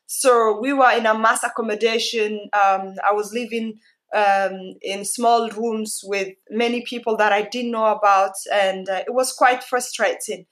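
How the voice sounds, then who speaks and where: A woman's voice: medium pitch, steady tone, a little slow, a bit bright. A woman with an East African accent giving a personal talk in a heartfelt, emphatic manner, often repeating phrases for emphasis. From Somalia-born, raised in Kenya. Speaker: guest speaker.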